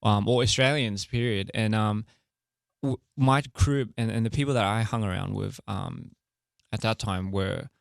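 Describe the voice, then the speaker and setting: A young man chatting candidly as an interview guest, loose and relaxed, full of fillers and laughing easily. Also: lowish voice, moderate pace, vocal fry, no room sound, clean studio sound. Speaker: interview guest, music artist and director. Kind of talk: casual interview chat.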